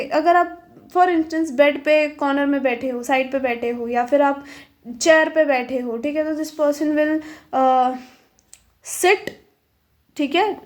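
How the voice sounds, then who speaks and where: A young woman giving a pick-a-pile tarot reading, chatty and reassuring, mixing Hindi and English and checking in with her listeners. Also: high-pitched. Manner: chatty, mixes Hindi and English, keeps asking "ठीक है?". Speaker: tarot reader.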